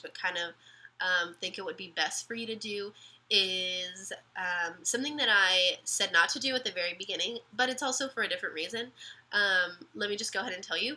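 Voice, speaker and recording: A young woman vlogging casual advice, sick and slightly raspy, chatty with lots of ums and restarts. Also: mid-range voice, pushed and bright, rough recording.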